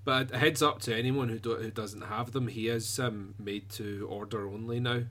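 A man co-hosting a hobby podcast, chatting casually and quietly with frequent restarts and fillers. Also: fairly low pitch, steady tone. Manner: soft-spoken, halting, full of restarts. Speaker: podcast co-host and miniature painter. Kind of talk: casual chat.

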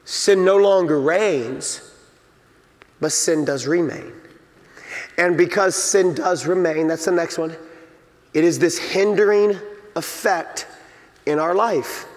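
High-voiced preaching pastor in a reverberant hall. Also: male voice, slow, long pauses. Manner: emphatic preaching, acts out inner voices. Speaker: senior pastor. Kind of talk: sermon. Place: church sanctuary.

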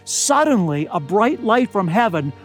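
An older man preaching a sermon outdoors at high altitude, slightly hoarse, earnest and deliberate, slowing down to stress key words. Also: very animated, faint music behind. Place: outdoors among pine trees at high altitude.

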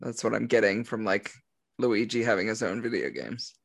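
A man's voice: lowish voice, lively intonation, gravelly, a bit bright, no room sound. Young male podcast co-host, wisecracking and loose, dry close sound. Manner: joking, quick banter. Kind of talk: casual chat.

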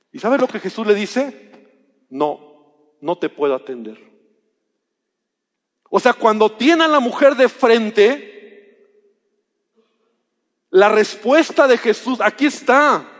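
A man's voice: very high-pitched, big-room sound. A man preaching a sermon in a conversational way, acting out biblical dialogue as he tells it.

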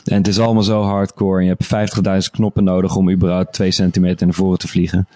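A man's voice: low-pitched, little pitch movement, quick pace, dark tone, dry recording, studio quality. A man co-hosting a game podcast in casual chat, talkative and full of restarts and fillers.

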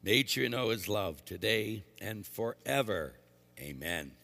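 A man's voice: fairly low pitch, animated, measured pace, gravelly, soft background music. A man serving as a priest, reading the gospel and giving an emphatic Catholic homily in a church. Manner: emphatic preaching with forceful repeated warnings. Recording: long church reverb.

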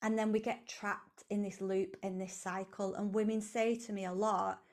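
A woman hosting a podcast, giving a slow, earnest and repetitive motivational talk. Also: mid-range voice, level tone, darkish tone. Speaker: podcast host, coach. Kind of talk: reflective solo motivational talk.

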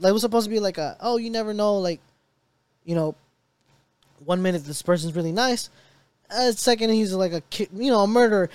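A man's voice: high voice, no echo. A young man, a stand-up comedian guest, telling rambling stories in casual chat, full of "like" fillers. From Tennessee. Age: young adult. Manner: rambling storyteller, many "like" fillers.

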